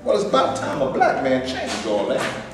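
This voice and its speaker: A man's voice: mid-range voice, huge pitch swings, normal speed. A man in a staged play reading, playing an ambitious, resentful Black man who dreams of making movies. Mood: scornful. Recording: echoey room, distant mic, faint noise.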